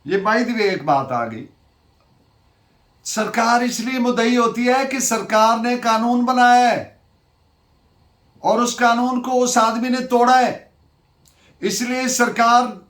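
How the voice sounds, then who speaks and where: High-voiced Pakistani woman lecturing, echoey room. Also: takes it slowly, pauses often. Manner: didactic, asks and answers own questions, switches into English terms. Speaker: law lecturer. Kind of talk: law lecture, dictating case citations.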